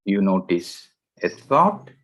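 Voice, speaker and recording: Male meditation guide, slow and gentle, with a low voice and deliberate pauses. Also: big pitch swings. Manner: gentle, deliberate, short phrases with long pauses.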